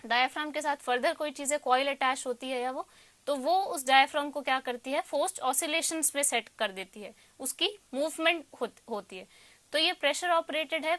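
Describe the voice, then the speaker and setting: Female tutor, Indian accent, high pitch, didactic question-and-answer lecture delivery, dry sound. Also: a bit bright, no room sound. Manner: didactic, poses questions then answers them. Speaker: electronics tutor. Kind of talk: explanatory lecture mixing Hindi and English.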